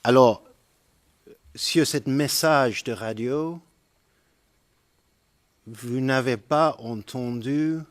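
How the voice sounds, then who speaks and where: A man cross-examines a witness in a courtroom. He speaks very slowly and deliberately, pressing leading questions. His voice sits in a middle register. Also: mid-range voice.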